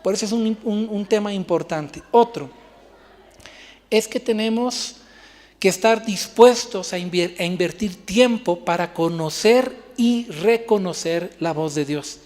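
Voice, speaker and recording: A man's voice: high-pitched, a little slow, darkish tone, long reverb tail. A male pastor preaching a sermon, telling a personal story and acting out the dialogue. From Bolivia.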